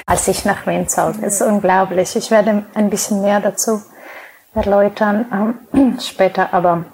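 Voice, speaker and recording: Gravelly-voiced earnest woman. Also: mid-range voice, steady tone, unhurried, a little mellow, poor audio. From Ukraine. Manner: earnest, emotional, hesitant. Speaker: guest. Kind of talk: conversational interview. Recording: faint background noise.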